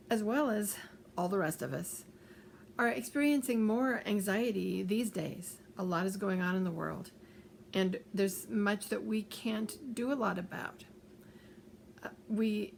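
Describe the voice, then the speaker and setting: Older woman, gravelly edge, gentle advice talk, faint hiss behind. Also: mid-range voice. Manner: gentle, repeats reassuring phrases. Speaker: author giving coping advice. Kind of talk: calm advice talk to camera.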